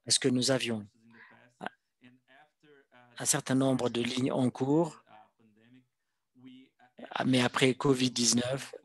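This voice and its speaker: A male interpreter renders a formal presentation live. His voice sits at a middling pitch. He speaks slowly and haltingly, delivering the speech phrase by phrase. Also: fairly bright tone, husky, low-quality recording. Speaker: simultaneous interpreter.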